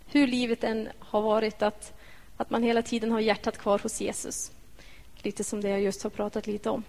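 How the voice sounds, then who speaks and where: A woman with a somewhat high voice gives a gentle, reflective devotional talk to a church congregation. She draws listeners in with questions. Her voice rings out with a long echo in the hall. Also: level tone. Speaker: devotional speaker.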